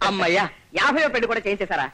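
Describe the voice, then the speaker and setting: An actor playing an excitable young matchmaker who breaks into chirping nonsense sounds when excited, on an old film soundtrack with music behind. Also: male voice, high-pitched, rapid-fire. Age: young adult. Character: excitable young man, love-marriage matchmaker.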